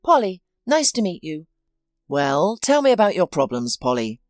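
A woman voicing a composed male law-enforcement officer who speaks in a businesslike, measured way in a storybook reading. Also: fairly low pitch, big pitch swings, dry recording, studio quality, faint music behind.

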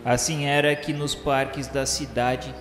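A man narrates a spiritual radio novel in a reverent, literary manner. His mid-pitched voice is measured and formal. It rings with long reverb, and music plays faintly behind him. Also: flat delivery.

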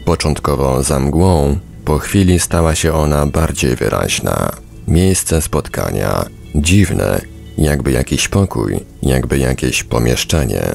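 A man's voice: extremely low pitch, vocal fry, a little mellow. A man reading a book aloud as scripted narration. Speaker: audiobook reader on a radio podcast.

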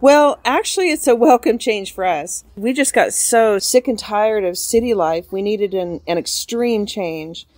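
A woman's voice: mid-range voice, a little slow, few pauses, a little mellow, no room sound, natural voice. An actress playing a friendly, talkative mother in a radio drama, polite and a little hesitant.

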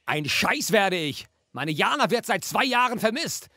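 An actor playing a grieving father turned kidnapper, speaking in hushed, menacing whispers in a radio drama. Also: high-pitched, sing-song, unhurried, dry recording, studio quality, full character voice. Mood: bitter rage. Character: vengeful middle-aged father, unhinged kidnapper. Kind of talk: audio drama acting.

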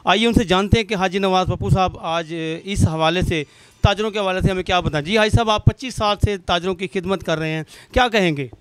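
High, smooth-voiced male TV reporter. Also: fast, dry recording. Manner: formal, addressing viewers. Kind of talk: on-camera news report. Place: crowded indoor office. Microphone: handheld mic.

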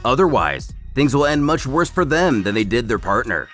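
Lively male narrator over music. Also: mid-range voice, moderate pace. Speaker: YouTube narrator and host. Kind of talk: scripted story recap narration.

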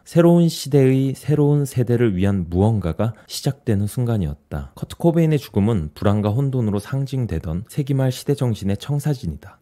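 A man in his forties reads a long essay aloud into a studio microphone in a small home studio room. His voice sits a little low and sounds very dark and mellow. His reading stays calm and earnest. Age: 40s. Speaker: YouTube host. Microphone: studio mic on boom, headphones.

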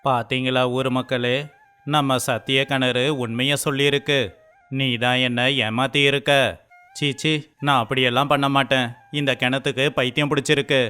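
Man acting a clear-voiced, indignant village man. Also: medium pitch, level tone, moderate pace, bright, forceful tone, faint music behind, natural voice. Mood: indignant, accusing. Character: stern, indignant village headman and quarrelling village men. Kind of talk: acted moral-story dialogue.

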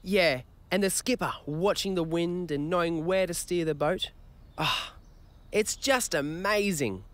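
A woman voicing a young, excitable possum in a children's TV show, full of gasps and wide-eyed delight. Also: lowish voice, a little slow, close to an everyday voice. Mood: happy. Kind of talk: scripted children's TV acting.

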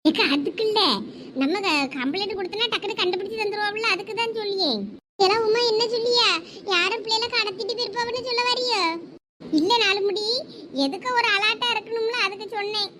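Woman acting mother, anxious, rushed, very high voice, noisy outdoor recording. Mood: worried. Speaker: skit actor playing several village characters. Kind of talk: village comedy skit acting.

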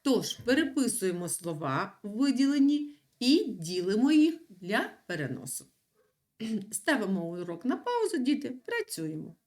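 Middle-aged female teacher, patient and clear, very animated pitch, talking to children. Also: measured pace. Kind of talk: recorded online school lesson.

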